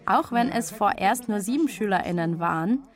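A woman narrates a radio documentary, reading a prepared script in an even, measured voice. Her pitch sits at a middle level for a woman.

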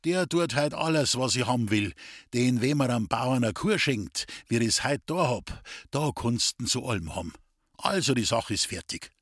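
A man voicing a cheerful young male artilleryman with a Bavarian accent, speaking in a husky, hearty voice. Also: medium pitch, moderate pace, no room sound, clean studio sound. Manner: hearty, lively dialect speech.

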